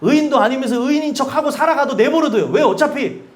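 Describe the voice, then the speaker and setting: A male pastor preaching a sermon in a church, animated, asking the congregation questions and laughing between points. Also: very high voice, fast. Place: church sanctuary.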